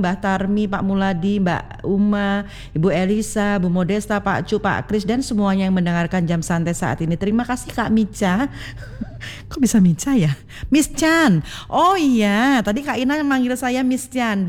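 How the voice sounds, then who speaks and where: A woman hosts a live radio call-in show. She keeps the talk friendly and flowing, reads out greetings, and drops phrases into her speech. Her voice sits at an ordinary middle pitch. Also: darkish tone. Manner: friendly, talkative, mixes in Javanese phrases. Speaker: radio host.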